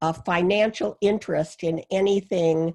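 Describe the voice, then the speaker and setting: Her American accent comes through as this woman speaks at a medium pitch. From US Midwest, Indiana. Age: 70s. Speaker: retired nurse, cannabis consultant. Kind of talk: presentation on Zoom.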